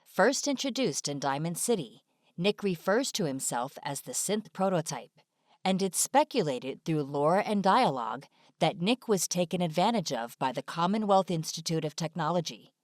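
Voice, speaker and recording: A woman's voice: on the low side, expressive, normal speed, no echo. A woman reading scripted informational narration as a studio-style voice-over. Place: dry studio-like voice-over recording.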